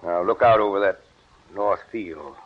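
A man's voice: low-pitched, unhurried. An actor playing a weary middle-aged wheat farmer talking to his son in a 1940s radio play, with plain country grammar. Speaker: farmer and father. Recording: muffled old radio recording.

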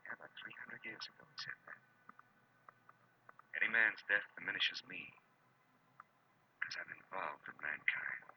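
An actor playing a hard-boiled, world-weary private eye who can turn tender, brooding and clipped in 1940s radio noir style. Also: male voice, low-pitched, expressive, measured pace, pauses often, sharp tone, exaggerated voice. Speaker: lead actor and narrator of detective series. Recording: muffled, very noisy old radio recording.

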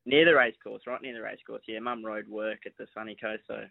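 A young Australian man talks casually about his riding life in a relaxed, modest way. His voice comes through a thin, phone-like line. The sound is dry and close. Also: on the low side, quick pace, vocal fry, no echo. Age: young adult. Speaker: apprentice jockey. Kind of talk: casual chat.

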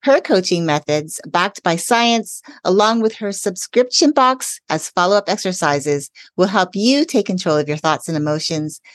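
A woman's voice: fairly low pitch, lively intonation, normal speed, few pauses, dry recording. A woman hosting a podcast interview, speaking in an upbeat, welcoming way as a self-care coach.

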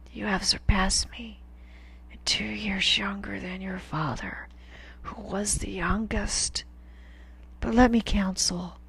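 A woman voicing a dying, gruff old male weapons teacher, speaking in a slow, halting whisper. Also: mid-range voice, fairly bright tone, exaggerated voice.

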